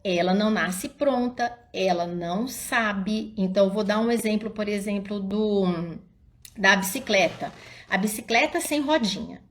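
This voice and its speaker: Woman, middle-aged psychologist, casual live parenting talk, animated storyteller, mid-pitched voice. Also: unhurried. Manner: animated storyteller, often addresses listeners as "gente"; drops soft and low when quoting her own calm words to the child.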